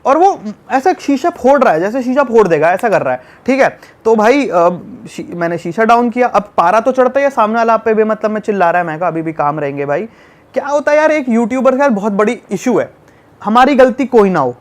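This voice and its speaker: A young man from Delhi telling a travel story in a casual podcast chat, animated and acting out the scenes. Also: very high-pitched. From Delhi, India. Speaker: travel YouTuber guest.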